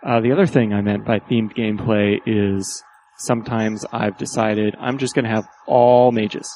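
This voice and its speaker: Casting: male gaming podcast panelist, relaxed chat, slightly low pitch, faint hiss of online voice chat. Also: moderate pace, rough recording. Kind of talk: casual chat.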